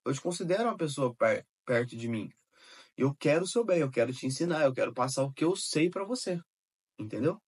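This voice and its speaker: Husky man giving casual advice. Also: mid-range voice, very animated, brisk. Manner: informal, repeats himself, asks listener if they understood. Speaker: digital marketing creator. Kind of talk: casual direct-to-camera advice.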